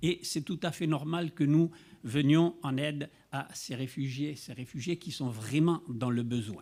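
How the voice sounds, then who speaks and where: This man's voice has a dark, mellow tone and a fairly high pitch. He talks at a fairly slow pace with ordinary pitch variation. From French Algeria. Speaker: municipal councillor. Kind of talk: council floor speech. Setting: municipal council chamber. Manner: halting, many hesitations.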